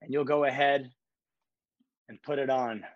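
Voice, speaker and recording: Podcast host, keen and chatty, with a dull, dry sound. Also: male voice, mid-range voice, steady tone, a little slow, no room sound. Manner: eager, short interjections. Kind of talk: casual interview chat.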